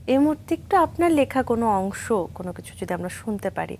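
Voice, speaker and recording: A woman's voice: on the high side, very animated, brisk, mellow, slight background noise. A woman hosting a morning talk show, interviewing a guest politely and deferentially with many short acknowledgements. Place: TV studio.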